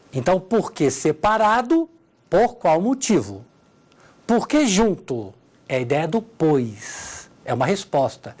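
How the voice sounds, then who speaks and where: This woman teaches Portuguese grammar on television with a Brazilian Portuguese accent, working through examples and checking in with the people watching. Her voice is mid-range and a little mellow.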